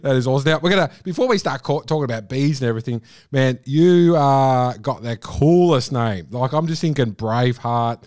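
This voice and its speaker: A man's voice: medium pitch, fairly quick, hardly any pauses, darkish tone, dry recording, studio quality. A man hosting a podcast, effusive and piling on superlatives as he introduces and questions his guest. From Australia. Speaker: podcast host. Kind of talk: enthusiastic podcast interview. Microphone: remote call.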